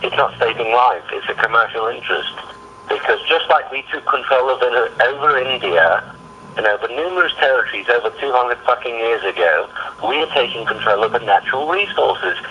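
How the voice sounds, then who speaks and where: The speaker has an English accent and a fairly quick pace. Background noise is noticeable. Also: man. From England. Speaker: prank caller. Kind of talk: phone call confrontation. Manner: formal; aggressive.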